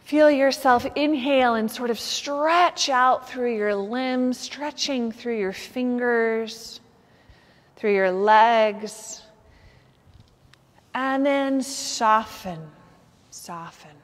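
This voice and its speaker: Slow-paced woman guiding meditation in reverberant space. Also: fairly high pitch. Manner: soothing, gentle, unhurried guiding with pauses. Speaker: yoga nidra teacher. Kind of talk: guided meditation instruction. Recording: long hall-like reverb.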